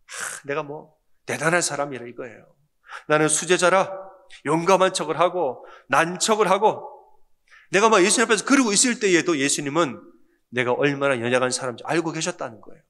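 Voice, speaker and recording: A man preaching a Sunday sermon as pastor, asking the congregation questions and answering them himself. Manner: acts out quoted lines in a softer, lower voice.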